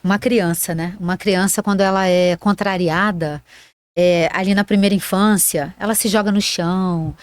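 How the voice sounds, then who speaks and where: A woman's voice: lowish voice, steady tone, moderate pace, dry recording. A woman co-hosting a casual podcast, speaking earnestly and emphatically, with many fillers. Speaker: podcast co-host.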